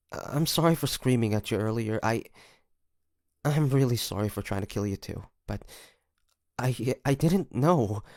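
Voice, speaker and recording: A man playing an earnest, emotional young hunter in an audio drama, speaking haltingly with stammers. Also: medium pitch, darkish tone, no echo, clean studio sound. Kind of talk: dramatic audio roleplay acting.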